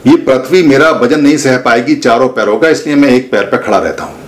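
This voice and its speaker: A man's voice: mid-range voice, fairly quick, lightly acted. A man voicing a sly, hypocritical male cat who poses as a pious ascetic, speaking with solemn, self-righteous claims of virtue in a told folk tale.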